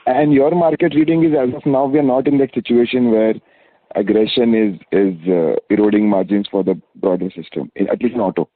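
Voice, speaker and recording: A man's voice: lowish voice, brisk, no room sound. A man with an Indian accent asking questions as an analyst on an earnings call, polite and a little hesitant. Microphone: phone. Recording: dry, thin phone line.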